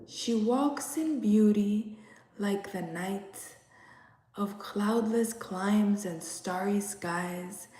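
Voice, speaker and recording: Woman as slow, hushed, entranced Martian singer. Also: mid-range voice. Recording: roomy, echoing room sound.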